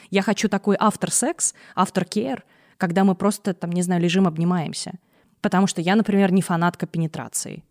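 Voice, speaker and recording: In a very clean recording with a silent background and a dry, close sound with no echo, a woman uses a normal speaking voice at medium pitch, with fairly even intonation and a moderate pace. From Zabaykalsky Krai, Russia. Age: 30s. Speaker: sex educator and psychologist. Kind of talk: casual interview chat.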